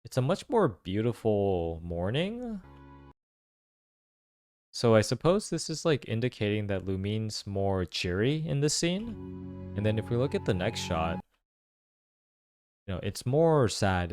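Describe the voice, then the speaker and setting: A man giving casual reaction commentary, thinking aloud in halting phrases. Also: on the low side, very animated, a little mellow, faint music behind. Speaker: video commentator.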